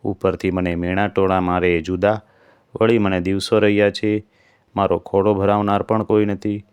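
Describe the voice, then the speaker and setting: A man's voice: sits low, level tone, normal speed, smooth, dry recording, lo-fi sound, close to an everyday voice. A man voicing a mistreated young daughter-in-law in a devotional story, speaking in a pleading, sorrowful way.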